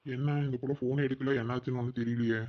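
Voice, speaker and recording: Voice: medium pitch, flat delivery, quick pace, muffled recording, loud music behind the voice, natural voice. A performer voicing a caring young village husband in a cartoon who fusses and nags out of concern. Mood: fussing. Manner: fussing, nagging with concern. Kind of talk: cartoon voice acting.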